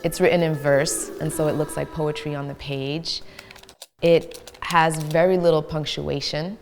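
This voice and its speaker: A woman's voice: sits low, fairly even intonation, unhurried. A woman who grew up in Belgium, a writer and translator, speaking thoughtfully in a documentary interview. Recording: clear music underneath.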